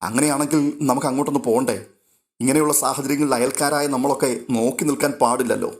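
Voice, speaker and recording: A man's voice: mid-range voice, fairly even intonation, fast talker, lightly acted. A man voicing village neighbor women who gossip and speculate.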